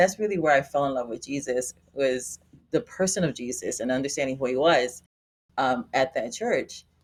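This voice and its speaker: A woman speaks with a Chicago accent. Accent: Chicago American English. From Chicago, South Side. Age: 50s. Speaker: faith and mindset coach. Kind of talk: interview. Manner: animated.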